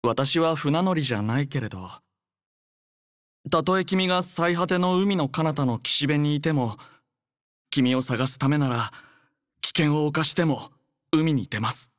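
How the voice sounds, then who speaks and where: A man voicing an earnest, devoted young male soldier in a game, speaking politely, softly and sincerely in a measured way. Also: fairly high pitch, dry recording, studio quality. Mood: tender, sincere. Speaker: voice actor. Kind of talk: acted game character voice lines.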